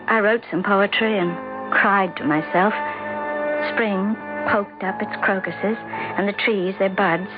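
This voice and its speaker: A woman's voice: medium pitch, steady tone, slow, lightly acted. A woman playing an anxious, earnest, troubled wife who narrates her story in a hesitant, emotive 1970s radio drama style. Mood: wistful narration. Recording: dull radio broadcast over music.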